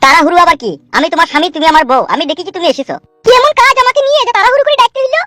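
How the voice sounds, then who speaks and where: Woman voicing a shrill pestering cartoon wife. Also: very animated, racing, pushed and bright, dry recording, exaggerated voice. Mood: curious. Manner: shrill, nagging, pestering questions. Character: fussy chattering young wife. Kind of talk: cartoon voice acting.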